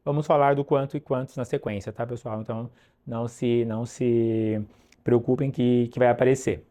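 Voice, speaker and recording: A man teaching an online English lesson, drilling pronunciation slowly and checking in with "ok?" often. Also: mid-range voice, steady tone, dark tone.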